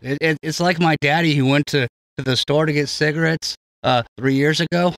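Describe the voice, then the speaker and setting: A man's voice: on the high side, steady tone, brisk, fairly bright tone, dry recording. A man co-hosting a podcast with casual, joking banter. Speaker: podcast co-host.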